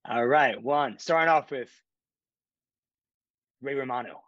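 A man's voice: mid-range voice, slow, dry recording, highs cut off. A man hosting a podcast, quizzing his guest eagerly in a casual chat. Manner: eager, short interjections. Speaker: podcast host.

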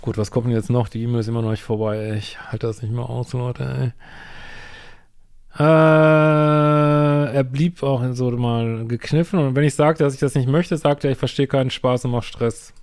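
A middle-aged German man reads a listener's email aloud and breaks off into dry, sarcastic asides. His voice sits at an everyday middle pitch, and he talks in a loose, casual way. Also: normal speed, darkish tone, smooth. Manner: sarcastic, exasperated asides with frequent "ey". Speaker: couples therapist and podcast host. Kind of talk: reading a viewer's email aloud with commentary.

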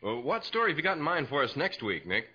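Bright, animated 1940s radio announcer, American man. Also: a little high, fast. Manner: polished, emphatic salesmanship. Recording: dull, muffled 1940s radio recording.

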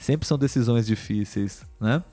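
Brief: man, mid-pitched, patient teacher closing a live stream, faint music behind. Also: normal speed, mellow. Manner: patient, teacherly, many "ah" and "né" tags. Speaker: host of a live stream for Portuguese learners. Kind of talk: friendly live-stream wrap-up, reading viewer comments.

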